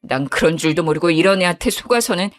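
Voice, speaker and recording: A woman's voice: fairly low pitch, lively intonation, fast, faint music behind. A woman in her fifties narrating a dramatic first-person story in an indignant, gossipy way. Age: 50s.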